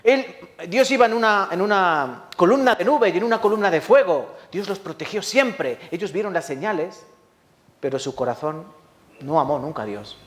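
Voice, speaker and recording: A man's voice: high voice, lively intonation, moderate pace. A man preaching a sermon with a Spanish accent from Spain, telling stories dramatically with rhetorical questions and acted-out sounds. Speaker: pastor. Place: church hall.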